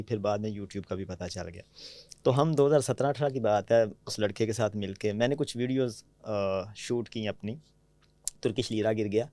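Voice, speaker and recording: A man from Pakistan speaks with a Punjabi-tinged Urdu accent, telling anecdotes in an easy, conversational way and often pausing to check that the listener follows. His voice is mellow and dark. It was recorded close and dry, with no room sound. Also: lowish voice, no room sound. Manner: anecdotal, frequently asks "theek hai?" to check understanding. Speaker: podcast guest. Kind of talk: conversational storytelling.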